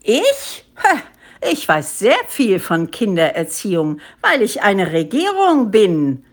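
A blustering monkey chief played by a woman in a storybook tale. He declaims with officious self-importance, his pitch swinging widely as he lays down rules. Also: huge pitch swings, slow pace. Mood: boastful, self-important. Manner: pompous, officious, declaiming with hesitant fillers.

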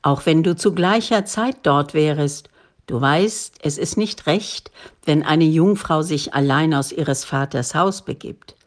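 Woman reading an anxious old father, low and slow, unsure of himself. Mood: worried. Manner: hesitant, then overwhelmed. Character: worried old father, elderly man.

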